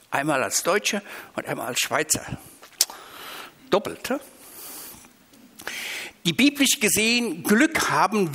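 Animated preacher in a hall. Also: male voice, high voice. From Switzerland. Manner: lively, emphatic delivery with drawn-out stressed phrases. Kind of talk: sermon. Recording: reverberant hall.

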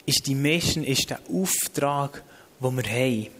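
A man's voice: medium pitch, measured pace, fairly bright tone. A man with a Swiss German accent preaching and praying in an informal, earnest, exhorting way with repeated phrases. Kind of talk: sermon with spoken prayer. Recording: long hall reverb.

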